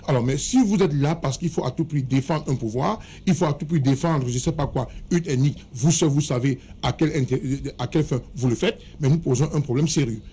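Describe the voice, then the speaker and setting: A man's voice: medium pitch, brisk, few pauses, mellow, a little hiss or hum. A man arguing his point in a heated studio debate, insisting that he be allowed to finish speaking. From Cameroon. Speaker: political debate panelist.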